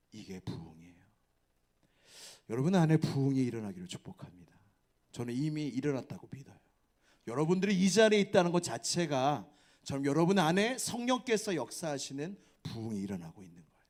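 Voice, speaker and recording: A man preaching a revival sermon to a youth retreat, lively and questioning the audience, dropping at times into hushed whispers. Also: mid-range voice. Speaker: pastor. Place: church hall.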